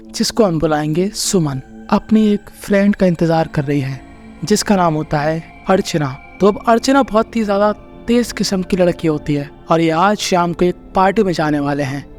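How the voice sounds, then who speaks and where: Male recap narrator, fairly high voice, chatty and wry, faint music bed. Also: darkish tone. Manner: chatty, jokey asides. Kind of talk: casual movie recap narration.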